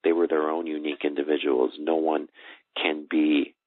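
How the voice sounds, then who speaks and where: A man explaining things earnestly as a spiritual coach, in measured short phrases over a call line. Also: extremely low pitch, level tone, dry recording. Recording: muffled phone-like call audio.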